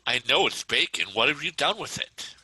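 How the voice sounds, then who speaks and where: A man's voice: a little high, very animated, normal speed, bright, forceful tone, breathy edge, no room sound, full character voice, poor audio. A man playing an irate, exasperated suburban father in a comedic script read, blustering and emphatic.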